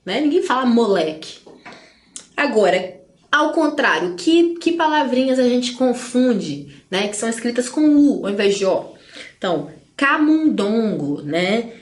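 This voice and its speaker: Slow, chatty Brazilian woman teacher. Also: on the high side, sing-song, echoey room. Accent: Brazilian Portuguese, Espírito Santo. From Espírito Santo, Brazil. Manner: chatty, frequent tag questions, playful asides. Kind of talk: online exam-prep lesson.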